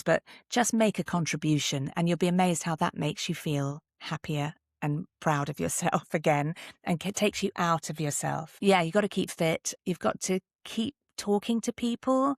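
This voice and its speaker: Podcast guest, female. Lower register with some fry, close dry sound, candid and emphatic, encouraging. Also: no room sound. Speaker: podcast guest, actor and drama teacher. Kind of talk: conversational interview advice.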